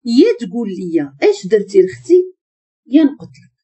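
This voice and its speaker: A woman's voice: on the high side, big pitch swings, normal speed, mellow, breathy edge, exaggerated voice. A woman with a Moroccan accent voicing a cold, threatening young man in a storybook tale. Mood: cold, menacing. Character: cold, menacing young man, a crime boss's son. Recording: muffled lo-fi recording.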